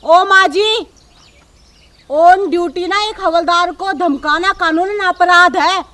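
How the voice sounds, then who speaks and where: A woman playing a sharp-tongued young police officer who is also a daughter-in-law. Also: very high voice, slow, full character voice. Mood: stern. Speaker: police officer in a comedy telefilm.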